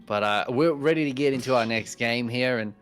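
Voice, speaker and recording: A man's voice: mid-range voice, fairly quick, fairly bright tone, smooth. A male co-caster commentating a game in a put-on Australian accent, with teasing, laid-back banter. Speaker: esports co-caster. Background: faint music.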